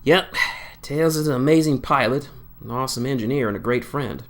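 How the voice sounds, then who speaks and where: A man's voice: medium pitch, a little fast, voice pushed up, natural voice. A man voicing a young male hedgehog hero in a fan story read aloud, breezy and modest but panicky when scared.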